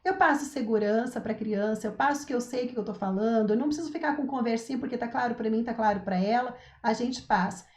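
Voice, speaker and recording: Woman, Brazilian, parenting educator on a live stream; a fairly high voice, didactic and repetitive, in a roomy, echoey space. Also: fast talker, hardly any pauses, a little mellow. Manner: didactic, repeats points with "tá?" and "né?".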